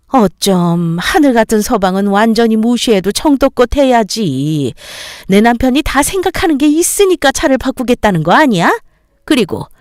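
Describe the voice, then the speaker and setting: A woman's voice: on the high side, a little mellow, no room sound, clean studio sound. A woman doing a greedy scolding mother-in-law. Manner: nagging, condescending lecturing.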